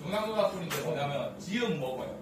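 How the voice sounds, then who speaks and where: A man's voice: fairly high pitch, lively intonation, fast, a loud crowd. A young man from Gyeongsang with that accent, bantering easily at a restaurant dinner, heard from a far camera. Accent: Gyeongsang Korean. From Gyeongsang region, Korea. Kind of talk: casual chat at a dinner. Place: restaurant private room, indoors. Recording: echoey room from far off, clear noise.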